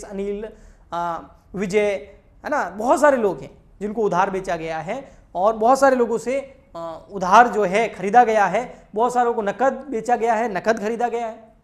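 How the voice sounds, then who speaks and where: A woman teacher delivers a recorded exam-prep accountancy lecture. She walks through each point patiently, keeps checking that her students are following, and speaks to them in a familiar, homely way. Her voice sits at an ordinary middle pitch for a woman.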